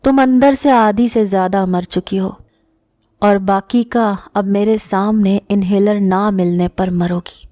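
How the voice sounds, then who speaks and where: A woman's voice: mid-range voice, fairly even intonation, warm tone, no room sound, studio quality, close to an everyday voice. A woman voicing a cruel, scheming middle-aged aunt who speaks in a harsh, taunting way in a spoken story.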